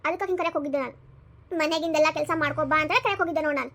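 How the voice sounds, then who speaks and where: A woman voicing a sharp-tongued older village mother-in-law in a cartoon comedy, shrill and sarcastic, with a North Karnataka Kannada accent. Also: fairly even intonation, rapid-fire. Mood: defiant. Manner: shrill, sarcastic, defiant scolding.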